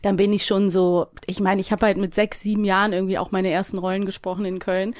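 Junge Frau, lebhaft erzählend, trocken aufgenommen. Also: female voice, mid-range voice, level tone, fast talker, darkish tone, no echo, studio quality. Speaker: voice actor, podcast guest. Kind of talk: casual podcast chat with anecdotes.

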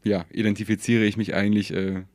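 A man in his twenties, a podcast guest from Germany, talking in a relaxed, hesitant way with many fillers and easy laughter. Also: lowish voice, fast, no room sound. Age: 20s. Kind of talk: casual conversation.

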